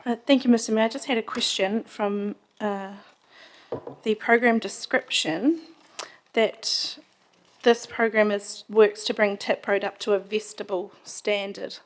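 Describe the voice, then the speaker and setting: A woman's voice: medium pitch, fairly even intonation, a little slow. A woman with a New Zealand accent, a city councillor, asking questions at a meeting in a polite, formal way.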